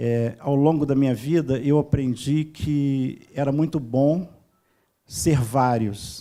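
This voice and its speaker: Very slow speech from a man at medium pitch, dark and mellow in tone, with ordinary pitch variation. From Brazil, northern Rio de Janeiro state. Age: 60s. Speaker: theatre scholar and director. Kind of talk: talk to audience. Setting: theatre stage with audience. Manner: hesitant, many fillers.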